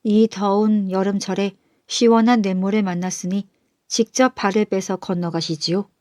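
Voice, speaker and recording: A woman voicing a humble old male minister in a storybook folktale, calm and plain-spoken, stern when he scolds. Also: mid-range voice, normal speed, no room sound, close to an everyday voice.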